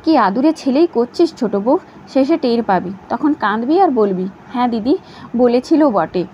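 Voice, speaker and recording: A woman's voice: fairly high pitch, lively intonation, moderate pace, lightly acted. Woman voicing a stern scolding matron. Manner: sharp, scolding. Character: elder sister-in-law, stern scolding matron. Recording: slightly dull with faint hiss.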